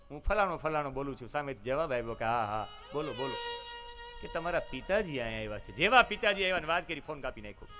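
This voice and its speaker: Brief: male religious storyteller, emphatic and dramatic, slightly high voice, violin music behind. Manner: dramatic, emphatic moral preaching. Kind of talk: devotional sermon storytelling.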